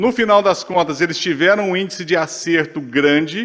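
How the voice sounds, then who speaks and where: A man talks at a moderate pace in a high voice. His pitch varies in an ordinary way. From Brazil, Goiás. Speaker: physician lecturer. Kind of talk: conference lecture.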